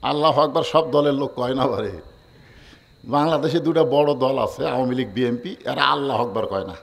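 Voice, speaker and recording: A man preaching a waz sermon. He moves between hushed storytelling and loud shouted exhortation, and he calls on the crowd to answer back. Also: medium pitch, fairly quick, vocal fry, a little hiss or hum.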